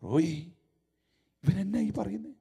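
A man quoting an elderly, skeptical minister in a hushed, wry voice. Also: high voice, expressive, slow, gravelly, husky, voice pushed down, exaggerated voice.

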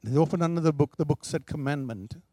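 Mellow-voiced preacher telling a dramatic story. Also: male voice, a little high, quick pace, dry recording. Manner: emphatic, rising and falling for drama.

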